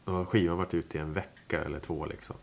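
A musician guest talks casually in a relaxed interview, rambling with lots of fillers and restarts. His voice is low-pitched and steady, with some vocal fry.

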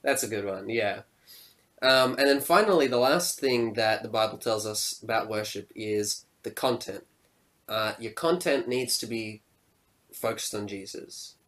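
A young man hosting a casual podcast discussion, upbeat and quick to laugh, often acting out reactions. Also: fairly low pitch, fairly bright tone. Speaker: podcast host.

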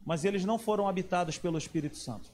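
A man's voice: high-pitched, racing, a little mellow. A man preaching a sermon in a conversational way, often asking the audience questions.

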